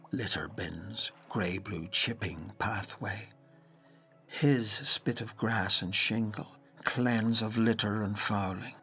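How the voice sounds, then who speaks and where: An actor playing a grave narrator of a haunting audio drama, solemn, measured and poetic. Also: male voice, fairly low pitch. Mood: hushed.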